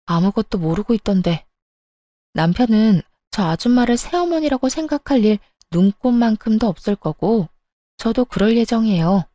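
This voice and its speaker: A woman narrates a dramatic first-person family story with indignant emphasis. Her voice is mellow and warm. The recording is dry and close. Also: on the high side, no echo.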